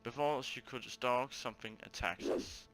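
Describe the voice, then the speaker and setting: A man's voice: mid-range voice, moderate pace, fairly bright tone, slight background noise. A man hosting a gaming video, reading a visual novel aloud with casual commentary, often stumbling and repeating words.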